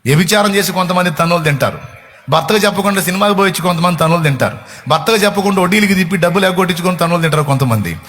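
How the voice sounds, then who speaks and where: A male pastor delivering an impassioned sermon. His voice sits a little high. He keeps pressing his listeners with rhetorical questions. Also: racing, fairly bright tone.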